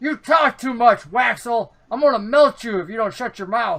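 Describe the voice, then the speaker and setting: A man in a put-on character voice growls with an extremely high pitch, his voice raised and projected at a moderate pace. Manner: growling, threatening.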